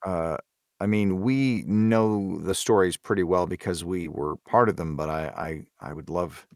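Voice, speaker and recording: A man's voice: sits low, unhurried, darkish tone, no echo. A man, a voice actor, chatting casually as a guest on a podcast.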